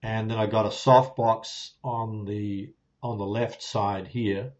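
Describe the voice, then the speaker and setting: Taking it slowly, a Kiwi man with a voice on the low side rambles through viewer questions for a casual live Q&A on his YouTube channel, relaxed and full of fillers and restarts. The sound is lo-fi, captured by a phone's clip-on lapel mic in a home studio with a ring light, softboxes and plants.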